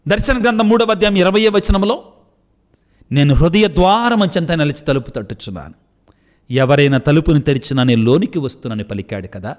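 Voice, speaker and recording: Talking a little fast with lively intonation, this Catholic priest preaches passionately before leading a spoken prayer, his voice rising high on each appeal.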